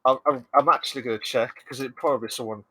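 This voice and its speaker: A man's voice: mid-range voice, fairly even intonation, fast, pushed and bright, dry recording, rough recording. A man with a Black Country accent from the English West Midlands, chatting casually as a guest with lots of fillers and restarts. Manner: rambling, hesitant, many fillers. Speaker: podcast guest. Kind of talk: casual video-call chat.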